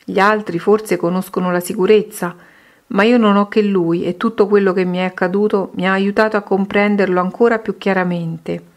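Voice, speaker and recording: Woman reading a christian book out loud, calm even delivery, mid voice. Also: medium pitch. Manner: steady, measured reading. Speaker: reader.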